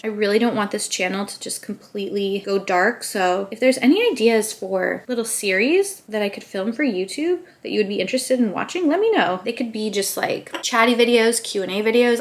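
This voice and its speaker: A young woman vlogger chatting casually at home while painting her nails, upbeat and rambling, a little out of breath. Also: mid-range voice. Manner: chatty, upbeat, rambling with frequent "like" and "I don't know". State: slightly out of breath. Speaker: beauty vlogger. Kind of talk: casual chat while doing a manicure. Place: dining room at home.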